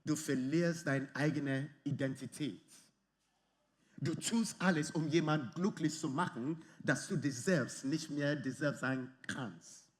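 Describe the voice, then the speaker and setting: A man preaching a sermon in lively, slightly non-native German with English phrases mixed in. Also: on the high side, measured pace. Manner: animated, lively, often acts out quoted arguments. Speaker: pastor.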